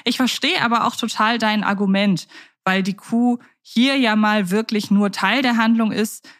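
A woman co-hosting a podcast, leading the talk with questions in an articulate, lively way. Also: a little high, normal speed. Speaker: podcast co-host. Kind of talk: casual podcast chat.

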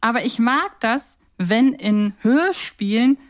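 Woman podcaster, fairly high voice, casual fan chat, keen and conversational. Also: animated, takes it slowly. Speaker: podcast co-host. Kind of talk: casual chat about children's audio dramas.

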